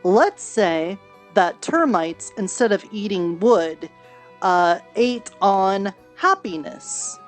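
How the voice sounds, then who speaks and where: A woman improvising in-character roleplay chat, explaining things in a halting, deliberate way. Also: mid-range voice, animated, soft background music. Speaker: roleplayer in a virtual-reality game.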